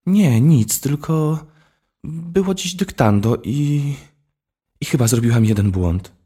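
A man's voice: medium pitch, expressive, slow pace, mellow, slightly rough, pitched above the performer's own voice. A man reading a storybook, voicing a timid, guilty schoolgirl who talks hesitantly in a raised voice. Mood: anxious. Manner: hesitant, faltering. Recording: long hall reverb.

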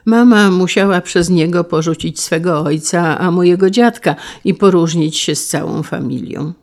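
A shy orphaned schoolboy, as an audiobook reader plays him, hesitant and earnest, at times stammering. The voice sits slightly higher than the plain narration and keeps a gravelly texture. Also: moderate pace, a little mellow, close to an everyday voice. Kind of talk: audiobook character reading.

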